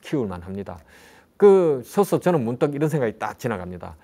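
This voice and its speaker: A man's voice: mid-range voice, big pitch swings, a little fast, dark tone, husky. Rambling male travel-history guide. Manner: rambling with frequent fillers and restarts, asks rhetorical questions. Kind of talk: conversational travel talk on history.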